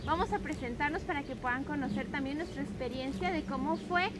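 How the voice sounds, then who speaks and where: A woman's voice: high-pitched, a little fast, heavy background noise. A woman in her twenties from Bolivia, giving an earnest testimony about her prayer group, sitting with friends on a park lawn and filmed by a distant camera. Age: 20s. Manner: earnest, heartfelt. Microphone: far camera. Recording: loud music underneath.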